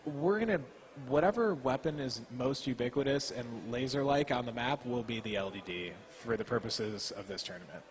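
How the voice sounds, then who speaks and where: Mid-pitched young male caster, playful banter, clear event noise behind. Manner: playful, quick-witted banter. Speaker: esports co-caster. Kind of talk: play-by-play esports commentary.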